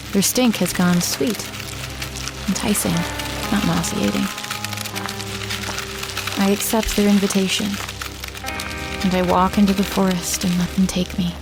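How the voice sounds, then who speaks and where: A woman's voice: medium pitch, close to an everyday voice. A woman playing a weary small-town reporter who narrates eerie events in a first-person audio drama, with music underneath. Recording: prominent music bed under the voice.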